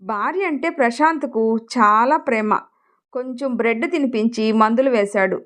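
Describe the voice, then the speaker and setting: A woman's voice: a little high, normal speed. A woman with a Telugu accent narrating a family story and lightly voicing each character's lines. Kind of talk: storytelling narration with acted dialogue.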